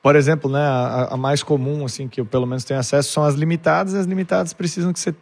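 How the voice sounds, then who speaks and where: Casual joking man, slightly high. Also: steady tone, very fast, creaky, darkish tone. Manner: casual, joking, uses slang. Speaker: podcast host. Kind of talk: casual podcast conversation.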